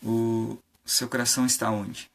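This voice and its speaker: A man preaching in a relaxed, chatty way, full of rhetorical questions and little fillers. His voice has a gravelly, somewhat husky edge, pitched in an ordinary middle range. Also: unhurried. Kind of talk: informal sermon on a live stream.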